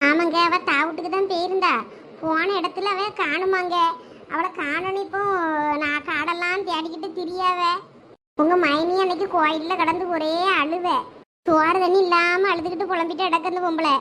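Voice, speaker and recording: A woman's voice: very high-pitched, fairly even intonation, normal speed, pushed and bright, slight background noise. A woman playing a worried middle-aged village wife telling news to her husband in a village drama.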